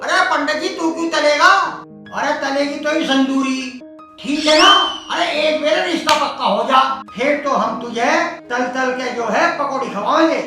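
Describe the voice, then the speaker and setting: An actor playing a hard-of-hearing village elder in a comedy film, shouting in a rustic Haryanvi accent. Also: male voice, very high-pitched, normal speed. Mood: bickering. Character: deaf, bumbling village elder man, husband. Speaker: hard-of-hearing old husband (Tau). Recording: echoey, distant room with music.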